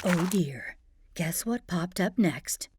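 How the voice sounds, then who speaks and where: A woman telling a children's story, gentle and expressive, with startled exclamations. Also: on the low side, takes it slowly. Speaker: storyteller host. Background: music.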